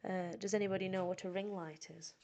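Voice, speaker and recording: A woman from the north of England with a nasal voice and a northern English accent, sounding tired and a little hoarse, chatting casually and rambling with lots of fillers on a live stream for her English learners. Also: mid-range voice, fairly even intonation, quick pace, darkish tone. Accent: northern English, Sheffield. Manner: rambling, self-deprecating, frequent fillers. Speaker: English teacher.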